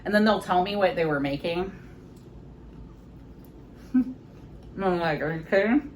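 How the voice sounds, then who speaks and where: A woman in her thirties chatting casually in her home kitchen as she tastes her food, often pausing to savor it with soft hums. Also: fairly low pitch, a little hiss or hum, poor audio. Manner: chatty, savoring bites with frequent mm sounds. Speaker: home cooking vlogger. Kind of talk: casual chat while tasting food.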